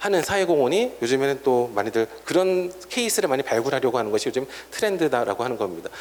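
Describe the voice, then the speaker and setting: A man's pitch swings very widely. Background noise is noticeable. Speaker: forum presenter on corporate social responsibility. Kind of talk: forum presentation. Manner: fast.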